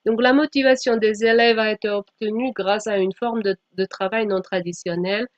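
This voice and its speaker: A woman from Slovakia, a non-native speaker whose first language is Slovak, giving an academic presentation in a halting way with frequent self-corrections. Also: medium pitch, fairly even intonation, no room sound. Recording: dull lo-fi microphone sound.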